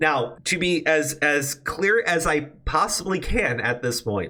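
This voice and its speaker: A man's voice over noticeable background noise. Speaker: YouTube commentator. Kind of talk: casual commentary. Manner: halting, many fillers and repeats.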